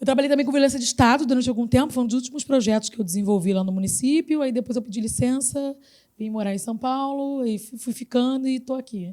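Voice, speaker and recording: Speaking in a Rio de Janeiro accent, a woman with a dark, mellow tone goes at a fairly quick pace with ordinary pitch variation. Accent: carioca. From Rio de Janeiro, Brazil. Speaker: psychologist and lecturer. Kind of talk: workshop talk.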